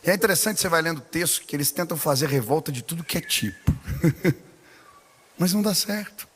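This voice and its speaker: A man with a Brazilian Portuguese accent preaching a sermon as pastor, telling stories animatedly and building to shouted exclamations. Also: a little high, animated, fairly quick, a little hiss or hum. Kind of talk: sermon with personal storytelling. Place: large church sanctuary. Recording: long hall reverb in a church.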